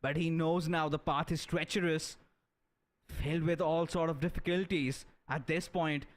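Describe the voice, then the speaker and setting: A man giving excited play-by-play esports commentary as a caster, with dramatic, emphatic delivery. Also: a little high, moderate pace. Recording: clear background noise, game gunfire. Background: video game gunfire.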